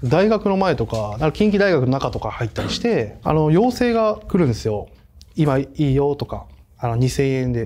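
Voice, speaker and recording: With a dark, mellow tone and a fairly high pitch, a man talks at a moderate pace using very wide pitch swings. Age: 30s. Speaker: business pitch applicant. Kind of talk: business pitch interview. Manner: halting, many fillers. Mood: earnest, slightly nervous. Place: studio. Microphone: lapel.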